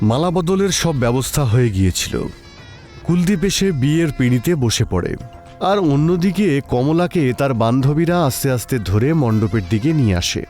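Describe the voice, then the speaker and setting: A man giving a suspenseful, expressive narration of a scripted horror story. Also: mid-range voice.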